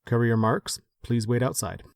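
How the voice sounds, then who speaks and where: A man's voice: mid-range voice, moderate pace, creaky, dry recording, close to an everyday voice. Man playing a composed supervisor, dry sound. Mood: guarded, formal. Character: guarded, courteous male office supervisor in work mode. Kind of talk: audio drama acting.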